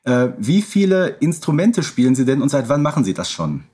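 Male podcast co-host, medium pitch, casual conversational delivery. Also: sing-song, brisk, dark tone, breathy edge. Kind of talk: casual interviewing and chat.

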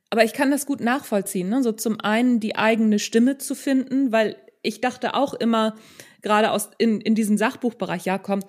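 A middle-aged woman chats as the host of an interview. Her pitch is average for a woman. She talks informally, like someone in easy conversation, and often checks in with a short tag question at the end of a thought. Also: a little mellow. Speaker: podcast host and non-fiction author. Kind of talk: casual conversational chat.

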